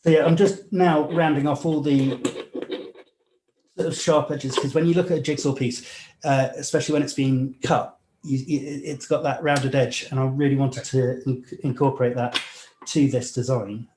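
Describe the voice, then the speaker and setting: A young man from Nigeria, a jeweller, explaining his work while filing and sanding at his bench, with many pauses and fillers. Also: mid-range voice, roomy sound, noisy background. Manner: relaxed, hesitant, many fillers, talks while working. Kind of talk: live demonstration with interview answers.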